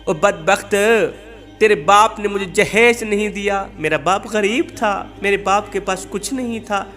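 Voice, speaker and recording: A man voicing a mistreated wife in a sermon tale, tearful, pleading, repeating her laments, high male voice, soft music behind. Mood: lamenting.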